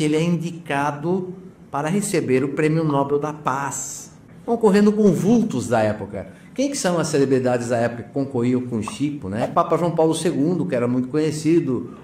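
A man's voice: a little high, darkish tone, roomy sound, slight background noise. Man narrating casually to viewers. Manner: conversational, addresses viewers directly. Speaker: channel host.

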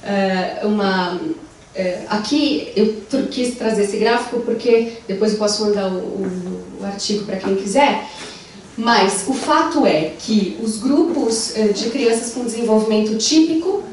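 In a large wood-panelled lecture room, a young adult woman with a Brazilian Portuguese accent presents an animated conference talk as a psychologist, walking the stage and gesturing. Her pitch is medium and her pace a little slow. She uses a handheld mic, but the far camera records an echoey room with slight background noise.

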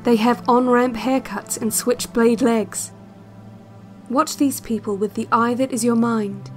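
A woman playing a calm, controlling narrator of an institute's relaxation cassette, measured and hypnotic in an audio drama. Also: on the high side, faint music behind, close to an everyday voice. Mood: hypnotic, instructive. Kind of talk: scripted guided-meditation narration, audio drama.

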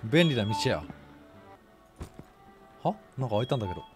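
A young man commentating live on a horror game in rough casual speech, blurting exclamations and sarcastic quips. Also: mid-range voice, sing-song, normal speed, music in the background. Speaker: game streamer. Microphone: desk streaming mic, indoors.

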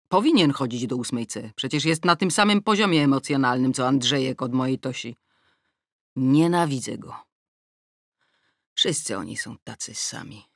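A woman's voice: deep voice, no echo. A middle-aged woman narrating a first-person audiobook with wry irony and wide swings in tone. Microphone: close studio mic. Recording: dry studio recording.

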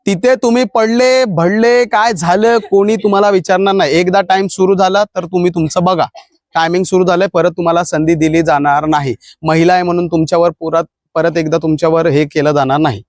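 A running coach with a high, clear male voice and a firm, direct way of instructing his trainees. The sound is dry and close, with little room around it. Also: fairly even intonation, brisk, dry recording. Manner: shouts encouragement, then lectures firmly. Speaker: police recruitment fitness coach. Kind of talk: outdoor coaching of runners.

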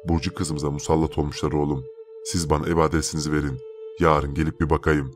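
A kindly old male imam on the phone, calm and fatherly, as a male narrator plays him. The voice is very deep, and soft music plays underneath. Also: fast.

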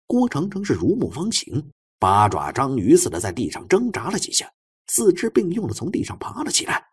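Husky man narrating suspense, highly animated. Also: brisk, no echo, clean studio sound. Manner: theatrical, suspenseful. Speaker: audiobook narrator. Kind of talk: dramatic scripted narration of a suspense novel.

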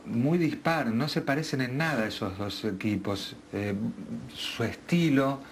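A man's voice: mid-range voice, unhurried, a little hiss or hum. A man being interviewed, speaking hesitantly and thoughtfully. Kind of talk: casual interview.

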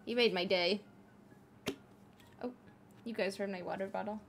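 A woman's voice: mid-range voice, fairly even intonation, moderate pace, creaky, background noise. A woman streaming live as a VTuber, chatting casually with her chat while playing a game, giggling often and swearing freely.

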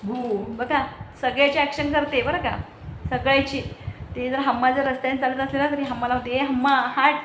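A woman's voice: high voice, fairly even intonation, a little fast. A woman, a mother and family vlogger, chatting casually to her viewers at home and talking straight to them, growing indignant when she complains. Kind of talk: casual chat to camera. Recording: roomy echo with faint background noise.

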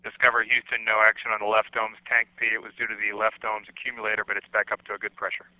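A man's voice: fairly low pitch, monotone, dry recording. A man making terse, clipped procedural calls to a spacecraft over a radio link. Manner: clipped, rapid procedural phrasing. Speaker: mission control radio caller. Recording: muffled radio link with static.

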